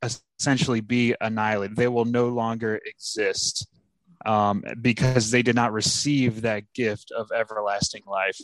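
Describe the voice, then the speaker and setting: A man with an American accent and an ordinary speaking voice talks at a medium pitch and a fairly slow pace with fairly even intonation, in a dry, close sound with no echo and a quiet background. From New Jersey. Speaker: podcast co-host, researcher and writer. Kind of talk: interview conversation.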